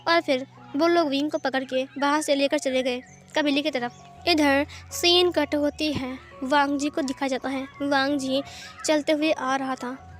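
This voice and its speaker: A woman with a high voice narrates a fan-fiction story in a plain, quick storytelling manner. Faint music plays softly under her reading. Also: steady tone.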